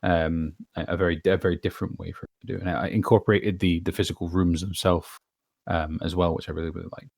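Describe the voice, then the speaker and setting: A man's voice: low voice, level tone, fast, gravelly, a little mellow, no room sound, clean studio sound. A man discussing things casually as a panelist on a podcast. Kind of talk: casual behind-the-scenes discussion.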